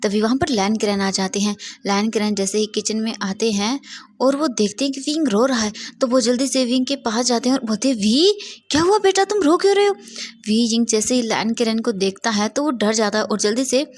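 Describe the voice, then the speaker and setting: A young woman retelling her own fan story aloud in a plain storytelling manner, often pausing on fillers. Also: on the high side, fairly even intonation. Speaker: fanfiction narrator.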